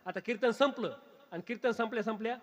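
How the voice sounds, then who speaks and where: A man with a high voice leads a kirtan, preaching playfully to a gathered crowd. He teases his listeners and keeps firing questions at them. His voice rings out with a long reverb, as if filling a large hall. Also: quick pace. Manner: teasing, keeps quizzing the crowd. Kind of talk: humorous kirtan sermon to a live audience. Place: kirtan gathering before an audience.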